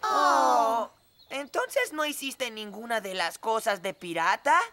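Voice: mid-range voice, animated, takes it slowly, sharp tone, a little hiss or hum. A performer voicing an eager, curious young elf boy in a Latin American Spanish cartoon dub. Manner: earnest, inquisitive. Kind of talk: animated children's cartoon dub.

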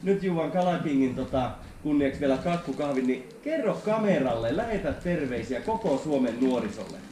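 A fishing vlog host in his thirties talks to the camera in a casual, enthusiastic way, beginning on a frozen lake and ending up at a kitchen table inside. His voice is fairly high, animated, and dark in tone, with a little hiss or hum present.

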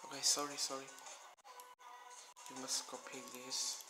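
A man with a Vietnamese accent walking through a computer tutorial, speaking halting English, apologizing and repeating his words. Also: mid-range voice, completely flat delivery. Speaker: tech tutorial creator. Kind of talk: screen-recorded tech walkthrough. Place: small room at a desk with a laptop. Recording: echoey room with music behind.

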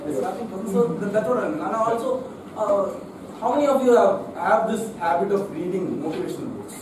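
A young man with a South Indian accent hosting a meeting, speaking to the room in a casual, joking, halting way. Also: sits high. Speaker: meeting host. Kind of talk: casual humorous public speaking. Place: medium meeting room, indoors, standing before audience. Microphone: far camera. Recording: echoey room, distant camera mic, background noise.

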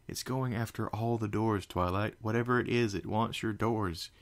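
A man voicing an excitable young male baby dragon in a fan story reading. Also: fairly low pitch, moderate pace, natural voice. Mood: agitated. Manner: agitated, yelling.

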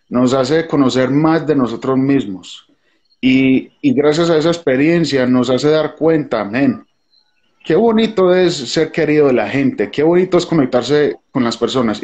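A man's voice: mid-range voice, darkish tone. A young man from Colombia with a Colombian accent, a guest talking earnestly and thoughtfully about his time on a TV show, dropping English fillers into his speech. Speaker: guest, former TV show contestant. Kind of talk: casual video call interview. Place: dim room indoors. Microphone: phone video call. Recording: lo-fi video call audio.

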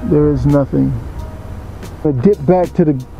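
A man's voice: on the high side, unhurried, gravelly, dark tone, faint music behind, low-quality recording. A man casually talking through his car restoration work in a garage and a junkyard, in a laid-back, slangy, rambling way, on a body-worn camera. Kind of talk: casual how-to commentary. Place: garage workshop and outdoor junkyard.

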